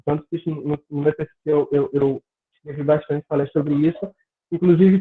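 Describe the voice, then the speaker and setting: A man's voice: on the high side, slightly rough. A young man, a graduate student earnestly explaining his research on a video call and stumbling over words now and then. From Pará, Brazil. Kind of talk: academic discussion on a video call. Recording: tinny phone-like call audio.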